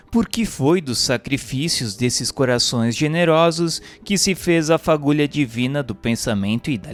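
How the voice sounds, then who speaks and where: A man with a Brazilian accent reading scripted narration in a formal, solemn, declamatory manner. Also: fairly high pitch. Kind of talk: scripted audiobook-style narration of a historical religious text. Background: music.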